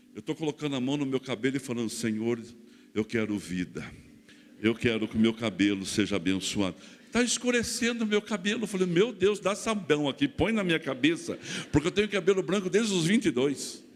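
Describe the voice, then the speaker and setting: A man speaks at a fairly quick pace with very wide pitch swings. His voice carries vocal fry. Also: fairly high pitch for a man. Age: 60s. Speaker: pastor. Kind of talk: sermon. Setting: church.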